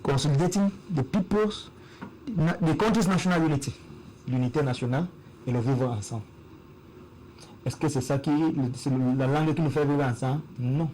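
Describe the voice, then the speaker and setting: A man from Cameroon, a guest in a heated TV panel debate, arguing forcefully and repeating himself for emphasis. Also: on the high side, moderate pace, slight background noise, rough recording.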